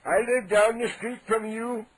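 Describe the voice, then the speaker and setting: A man's voice: high voice, fairly even intonation, normal speed, slightly rough, low-quality recording. A man playing a cranky, indignant 87-year-old neighbor on a prank call, making blustering threats with mock-polite outrage. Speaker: prank caller.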